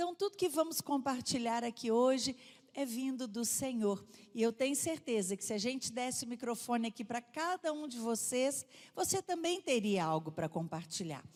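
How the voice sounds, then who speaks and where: With a Minas Gerais accent, a woman speaks at a moderate pace. Her high voice moves in very wide pitch swings. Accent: mineiro. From Minas Gerais, Brazil (Belo Horizonte). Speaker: pastor. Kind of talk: sermon. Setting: church.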